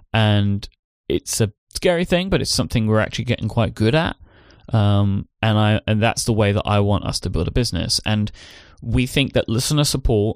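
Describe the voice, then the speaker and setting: A man's fairly low voice with a British accent at a fairly quick pace, dry and close with no echo. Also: very clean recording, silent background. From Britain. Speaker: podcaster and network owner. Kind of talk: casual chat.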